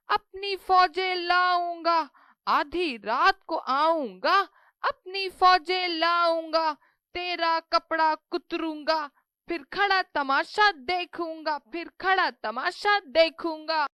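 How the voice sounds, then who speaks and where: Woman putting on a squeaky bossy little boy mouse from a kids cartoon, bright voice, sing-song threats. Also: slow, no room sound, studio quality, full character voice. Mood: cocky, threatening. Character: boastful little male mouse who bullies others.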